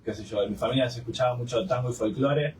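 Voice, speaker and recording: A man's voice: medium pitch, fast, crowd noise. A man with an Argentine accent speaking as a guest in a live panel discussion, hesitant and full of filler sounds, recorded in a forum hall. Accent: Argentine Spanish. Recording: distant mic with clear room noise.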